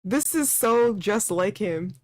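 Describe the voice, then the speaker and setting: A woman's voice: mid-range voice, animated, slow pace, darkish tone, dry recording. A woman playing a visual novel and commenting casually, thinking aloud in a playful, slangy, informal way. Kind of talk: casual let's play commentary with read-aloud game dialogue.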